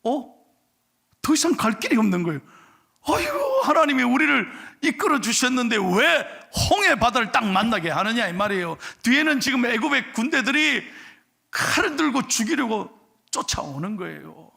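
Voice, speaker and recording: A middle-aged male pastor preaching a sermon with animated delivery, acting out complaints and leading scripture reading. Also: very high voice, moderate pace, vocal fry, slightly rough.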